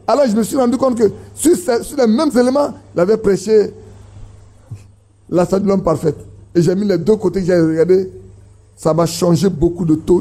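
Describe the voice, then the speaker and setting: Man, husky, mellow, emphatic preaching. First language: an Ivorian language. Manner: emphatic, rising in pitch to stress points, repeats phrases. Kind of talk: sermon.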